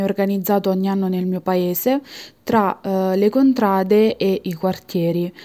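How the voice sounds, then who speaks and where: A woman speaks at a medium pitch and a fairly slow pace, with ordinary pitch variation and a dark, mellow tone. The recording is very clean, with a silent background. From central Italy, Arpino (Frosinone, Lazio). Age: 20s. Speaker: student. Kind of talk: recorded personal statement.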